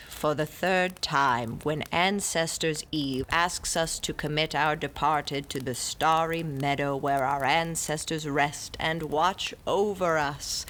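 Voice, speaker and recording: A stern old storyteller leads a ritual in an audio drama, voiced by a woman. Her voice sits low and moves slowly and solemnly, with a faint hum of ambience behind it. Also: animated, fairly bright tone, exaggerated voice. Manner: slow, solemn, measured. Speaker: narrator and ritual leader.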